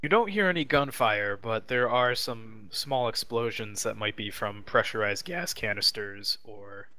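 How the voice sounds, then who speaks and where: A man narrating a tabletop role-playing game as game master, improvising haltingly as he searches for words. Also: lowish voice, sharp tone.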